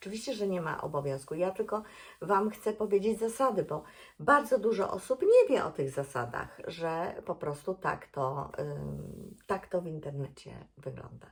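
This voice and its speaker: Vocal fry runs through this woman's medium-pitched voice as it makes very wide pitch swings. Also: moderate pace. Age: 60s. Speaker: knitting vlogger. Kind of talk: casual vlog talk. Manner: hesitant, many fillers.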